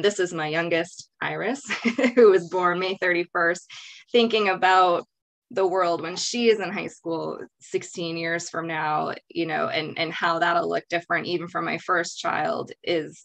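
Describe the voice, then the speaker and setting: Earnest low-voiced woman panelist. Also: gravelly, fairly bright tone. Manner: earnest, reflective, with many restarts. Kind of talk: panel discussion remarks.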